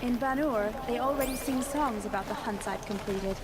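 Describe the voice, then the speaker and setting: An actress playing a confident, boastful tribal huntress in a video game. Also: female voice, fairly high pitch, moderate pace, very noisy, close to an everyday voice. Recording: loud music behind the voice.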